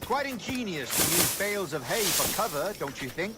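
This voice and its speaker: An actor playing a hearty older officer, brisk and encouraging, in a video game. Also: male voice, sits high, very animated, heavy background noise. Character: older English officer, hearty weapons enthusiast.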